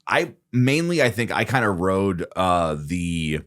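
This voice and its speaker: A man co-hosting a podcast in casual chat, laid-back and quick to laugh, talking with many fillers. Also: sits low, big pitch swings, a bit bright. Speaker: podcast co-host.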